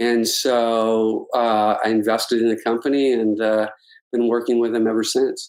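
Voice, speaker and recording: Speaking in an American accent at medium pitch and a moderate pace, a man keeps a flat monotone and very even loudness. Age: 70s. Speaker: surf industry veteran. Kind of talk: interview. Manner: halting.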